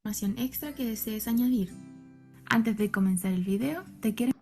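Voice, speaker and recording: A woman narrates a scripted language lesson, pronouncing each model sentence slowly and with care. Her voice sits a little high, and soft music plays quietly behind her. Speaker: English teacher in a video.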